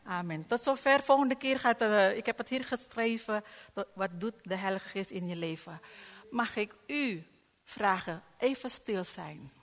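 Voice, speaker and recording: A middle-aged woman preaches with animated swings between hushed and loud. Her voice carries a long hall reverb, and her pacing is slow and unhurried. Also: medium pitch. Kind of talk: sermon. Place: church hall.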